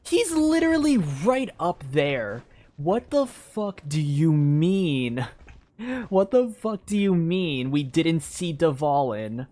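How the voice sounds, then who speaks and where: A woman's voice: low-pitched, very animated, slow, mellow. A woman giving casual live gameplay commentary as a streamer, exclaiming and swearing freely. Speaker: game streamer. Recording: faint game music behind.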